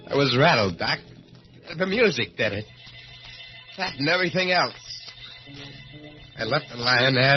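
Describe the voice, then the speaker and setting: An actor playing a guilt-haunted gangster and jewel thief in an old radio thriller, with an American accent, streetwise slang and a frantic stammer. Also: male voice, mid-range voice, lightly acted. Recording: muffled, noisy old radio recording.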